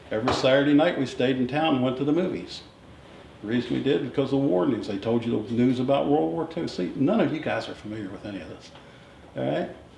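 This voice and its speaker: Through audible room echo, a man races along at a very fast pace with lively intonation and big swings in loudness. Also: medium pitch for a man. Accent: Virginia. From US South, Shenandoah Valley, western Virginia. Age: 80s+. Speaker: retired realtor and instructor. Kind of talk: talk to an audience, life story. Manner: folksy, repetitive.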